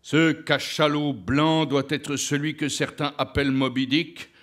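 A man reading aloud and voicing a calm harpooner who speaks in a steady, composed way. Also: on the high side, a little slow. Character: calm male harpooner, measured.

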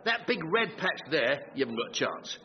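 A man's voice: a little high, big pitch swings, a little fast. A man playing a shady, cheerful campaign fixer in a radio sitcom, slangy and wisecracking. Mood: brash. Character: shady, cheerful male wheeler-dealer campaign manager. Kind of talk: British radio sitcom acting. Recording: slightly dull, muffled recording.

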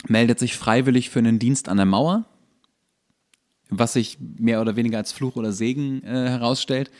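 A man co-hosting a podcast, casually recapping a story in a halting, stop-and-start way. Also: medium pitch, darkish tone. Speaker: podcast co-host.

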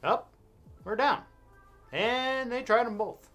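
An American man in his thirties narrating scripted comic history with wry, deadpan sarcasm. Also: very high voice, takes it slowly, soft background music. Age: 30s. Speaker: host. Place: indoor studio with backdrop.

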